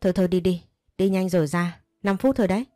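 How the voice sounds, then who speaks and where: A woman's voice: fairly low pitch, fast talker, dark tone, no echo, close to an everyday voice. Snooty rich older lady done by a woman storyteller, sneering, dry close sound. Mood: impatient. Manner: scornful and impatient. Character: haughty rich older woman buying a girl.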